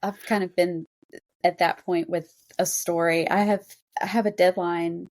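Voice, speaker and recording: A woman's voice: lowish voice, little pitch movement, unhurried, a little mellow. A woman co-hosting a writing podcast, talking in a casual, candid and chatty conversational way. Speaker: podcast co-host and fiction writer.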